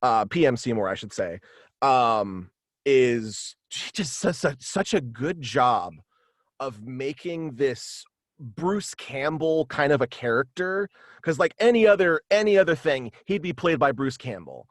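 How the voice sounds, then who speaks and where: A man talking casually as an interview guest on a video call, halting and animated in manner. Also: medium pitch, no room sound, clean studio sound. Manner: halting and animated, slipping into quoted dialogue. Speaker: guest, voice actor and author. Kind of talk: casual interview chat about own radio play. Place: indoors at home, on a video call.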